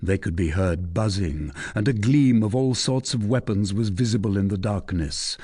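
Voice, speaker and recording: A man narrating a classic novel as an audiobook, in a measured, expressive storytelling manner. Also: lowish voice, slightly rough.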